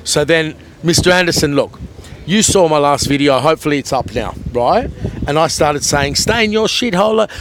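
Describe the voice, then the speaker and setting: A man's voice: a little high, normal speed, noisy background. A man vlogging at a beach, rambling and taunting a commenter. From Australia. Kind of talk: rambling vlog monologue. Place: outdoors at a beach.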